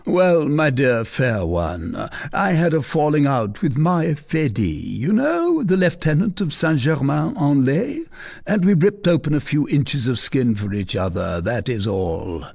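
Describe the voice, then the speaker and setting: A man's voice: on the high side, very animated, unhurried, creaky, a little mellow, no room sound, studio quality, voice pushed up, full character voice. A man voicing a vain young army captain who dodges questions with hesitations and easy charm. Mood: evasive. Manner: hesitant, glib.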